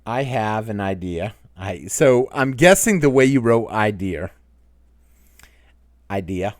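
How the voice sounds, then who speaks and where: A man's voice: on the low side, expressive, slow, no room sound, clean studio sound. A man with a Maine accent hosts a casual Q&A chat, rambling as he reads viewer comments aloud. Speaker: channel host.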